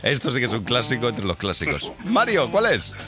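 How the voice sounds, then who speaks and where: Playful radio host over music. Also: male voice, mid-range voice, huge pitch swings, fairly quick. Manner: playful, breaks into song. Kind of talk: lively morning radio game hosting. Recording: radio studio with music bed.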